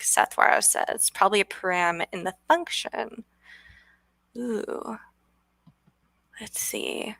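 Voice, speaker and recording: Upbeat woman chatting on a coding stream, bright tone, dry close mic. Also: mid-range voice, no room sound. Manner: bubbly and chatty, reads out chat comments. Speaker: co-host of a live coding stream. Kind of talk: casual live-stream chat.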